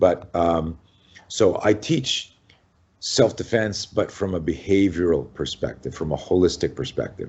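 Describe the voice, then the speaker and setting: A somewhat breathy man with a fairly low pitch at a fairly slow pace, his pitch varying in an ordinary way. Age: 60s. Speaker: self-defense coach. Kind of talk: interview. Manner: many fillers and repetitions.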